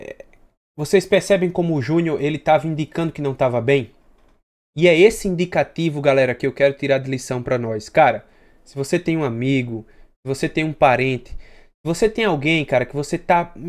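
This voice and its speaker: Over a quiet background, a man speaks at a moderate pace with ordinary pitch variation and big swings in loudness. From Brazil. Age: 20s. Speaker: fitness youtuber. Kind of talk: video commentary. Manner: earnest. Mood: somber, earnest. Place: home room.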